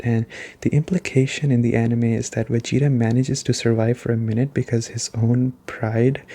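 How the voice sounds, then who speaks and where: Speaking gently in a mid-range voice, a man delivers a laid-back ASMR review of a game. The talk rambles in a conversational way, with repeated points for emphasis.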